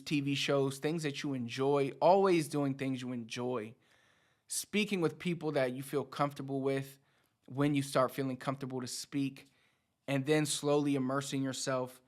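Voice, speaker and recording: A man in his thirties talking casually and motivationally to his audience as a teacher, conversational, repeating words for emphasis. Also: medium pitch. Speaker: Spanish teacher and channel host. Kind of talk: casual motivational talk to camera.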